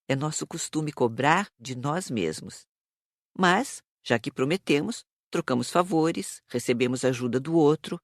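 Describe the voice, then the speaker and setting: Measured actress as a woman spirit teacher. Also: low-pitched, dry recording, clean studio sound, full character voice. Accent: Brazilian. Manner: didactic, measured. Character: Dona Isaura, calm instructive woman spirit teacher. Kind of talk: dramatized audiobook dialogue.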